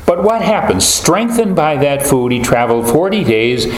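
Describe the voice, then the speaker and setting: A man leading a group Bible study, talking in a halting, thoughtful way with many fillers and restarts. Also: a little high, sing-song, faint music behind. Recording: roomy echo, faint ambience.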